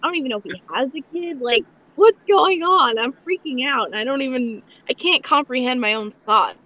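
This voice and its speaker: A woman with a fairly high voice hosts a casual podcast chat. She rambles informally and gushes freely. The recording is a little dull and lo-fi. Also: fairly quick. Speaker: podcast guest host.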